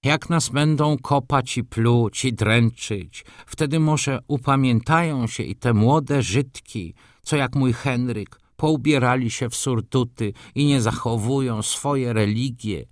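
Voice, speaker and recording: A man's voice: mid-range voice, slow, few pauses, dry recording, clean studio sound, pitched above the performer's own voice, natural voice. A man voicing an elderly, grey-bearded Jewish moneychanger who chats and complains in broken, old-fashioned grammar. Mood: grumbling, chatty.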